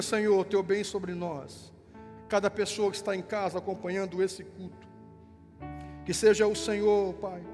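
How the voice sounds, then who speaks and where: Fervent high-voiced gaúcho pastor. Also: male voice, a little mellow. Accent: gaúcho Brazilian Portuguese. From Rio Grande do Sul, Brazil. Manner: fervent, drawn-out prayer lines, playful banter. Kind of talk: prayer and church announcements. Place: church sanctuary with worship music. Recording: reverberant hall with music behind.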